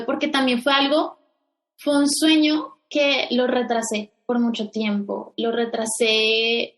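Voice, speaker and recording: Chatty Colombian woman with a Bogotá accent. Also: a little high. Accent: Bogotá Colombian Spanish. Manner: hesitant, restarts often, animated when quoting herself. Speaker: podcast guest. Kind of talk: casual interview storytelling.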